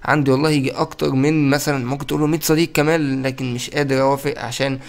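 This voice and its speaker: A man's voice: mid-range voice, flat delivery, racing, vocal fry. A young man with an Egyptian Arabic accent giving playful, chatty gameplay commentary and talking straight to his viewers. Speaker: gaming YouTuber.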